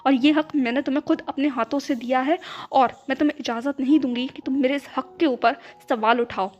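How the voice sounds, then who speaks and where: A woman's voice: high voice, animated, quick pace. A woman voicing a cheerful, tomboyish young woman who teases playfully and turns fiercely possessive, in a storybook reading. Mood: intense. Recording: dull lo-fi with background music.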